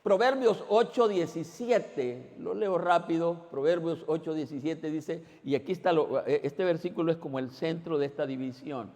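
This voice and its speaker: Man, pastor, sermon, high voice, emphatic, questions the congregation, church hall with long reverb. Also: normal speed, few pauses. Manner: emphatic, swinging between loud exclamations and quiet asides.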